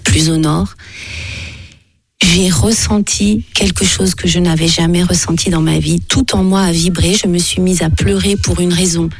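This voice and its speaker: A woman's voice: on the low side, fairly even intonation, normal speed, husky, faint music behind. A woman singer, born in France with Portuguese as her first language, recounting her life story thoughtfully with frequent hesitations. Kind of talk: personal interview storytelling.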